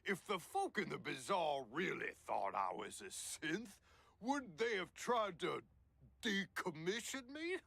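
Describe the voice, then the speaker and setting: Long John, a gravelly synth faking humanity. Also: male voice, sits high, very animated, a little slow, a bit bright, no echo, exaggerated voice. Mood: folksy. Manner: folksy, cheery, overly insistent on being human. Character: synthetic man posing as a folksy human. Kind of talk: video game character dialogue.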